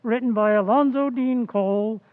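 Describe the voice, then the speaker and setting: A man's voice: very high-pitched, normal speed, phone-quality sound. A man announcing and narrating an old-time radio show in a declamatory, scripted style, with a thin radio sound.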